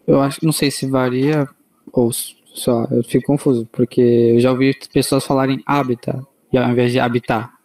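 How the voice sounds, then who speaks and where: A Brazilian man asks his teacher questions during an online lesson, hesitating and searching for his words. His voice is mellow and warm. He sounds like a student on a video call. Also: mid-range voice, flat delivery, moderate pace. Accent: Brazilian Portuguese. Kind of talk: asking questions in class.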